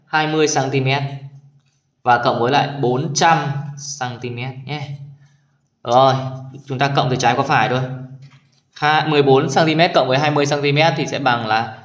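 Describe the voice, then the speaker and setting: A man teaching young children math, talking them through each step patiently and often checking that they follow. His voice sits at a middle pitch. The recording carries a noticeable room echo. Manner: patient, addresses pupils warmly with tag questions. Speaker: primary school math teacher. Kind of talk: explaining exercises in a video lesson.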